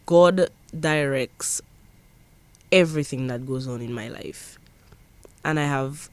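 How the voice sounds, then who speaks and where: A young adult woman from Dominica speaks in a low, clear, resonant voice with a Dominican accent. As a parliamentary secretary in an interview, she answers with earnest emphasis and many restarts.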